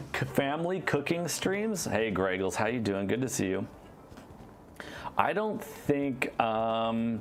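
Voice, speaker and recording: With noticeable background noise and audible room echo, a man with an American accent speaks at a very slow pace, at medium pitch and with lively intonation. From Southern California. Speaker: video game streamer. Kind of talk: casual live stream chat. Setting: live stream at home. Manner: loud; casual, filler-heavy.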